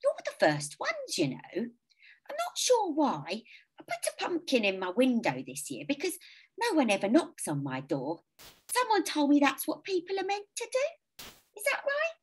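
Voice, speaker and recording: A woman voicing a lonely, kindly old woman who talks in a gentle, fussy, chatty way. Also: sits high, wildly swooping pitch, a little slow, voice pushed up, exaggerated voice.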